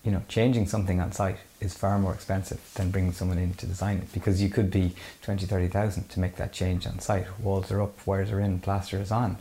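A man from the west of Ireland speaks in a low voice with a gravelly creak, and his accent is west of Ireland. He explains things as an expert guest in conversation, qualifying and rewording his points as he goes. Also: little pitch movement, quick pace, hardly any pauses, warm tone, slight background noise. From County Mayo, west of Ireland. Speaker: architect, interview guest.

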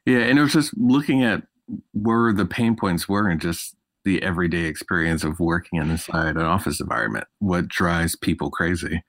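Low-voiced American East Coast man. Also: normal speed, fairly bright tone, dry recording. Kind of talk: business interview.

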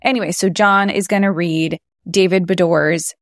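A woman's voice: fairly low pitch, fairly even intonation, normal speed, no room sound, studio quality. A woman hosting a podcast, giving conversational legal commentary in a blunt way. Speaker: podcast host.

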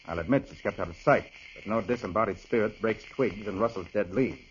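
An actor playing a calm, confident male detective in a 1940s radio drama, explaining clues in an assured manner. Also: on the low side, a little fast, a little hiss or hum, lightly acted. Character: cool-headed male detective, middle-aged, confident. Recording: muffled old radio broadcast.

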